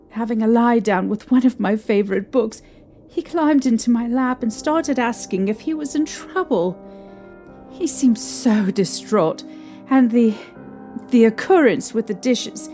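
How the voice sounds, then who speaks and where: A woman acts out a young mother telling of eerie nights in a new house, her fairly high voice warm and mellow. She pauses and restarts as she remembers. Faint music plays beneath her, as in a fan-made audio drama. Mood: troubled. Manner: hesitant, halting recollection with restarts. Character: young English mother shaken by haunting. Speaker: interviewee recounting events.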